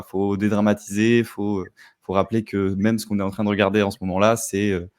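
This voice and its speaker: A man who is a guest film critic, speaking in a measured, analytical way in a casual discussion. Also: fairly low pitch, darkish tone.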